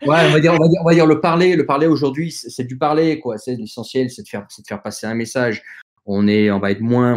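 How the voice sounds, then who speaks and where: A man whose first language isn't French appears as a podcast guest, giving direct advice to young listeners in a conversational interview. He speaks hesitantly, with many fillers and restarts, in a mid-range, slightly mellow voice.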